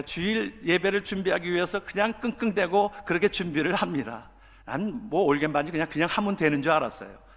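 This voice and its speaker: Fervent Korean pastor preaching in a reverberant hall. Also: male voice, a little high. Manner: fervent preaching, swings from soft asides to loud proclamations. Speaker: senior pastor. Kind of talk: sermon. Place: church sanctuary. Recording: long reverb of a church hall.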